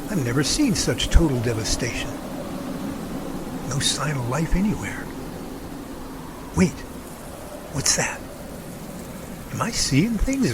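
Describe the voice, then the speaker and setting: Guy playing a nervy earnest young guy in a homemade radio drama, really expressive pitch, noisy recording. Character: earnest 27-year-old male survey worker, anxious and bewildered. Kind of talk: amateur radio drama acting.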